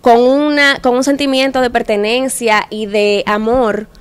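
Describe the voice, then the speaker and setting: A woman's voice: fairly high pitch, steady tone, a little slow, smooth. A woman in her thirties with a Dominican Caribbean Spanish accent, giving articulate answers as a guest in a TV studio interview. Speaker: studio guest presenting an anniversary campaign. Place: indoor TV studio. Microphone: handheld microphone.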